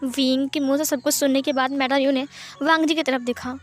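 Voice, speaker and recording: A woman's voice: high-pitched, fairly even intonation, a little fast, faint music behind. A woman narrating a fan fiction story as a plain retelling.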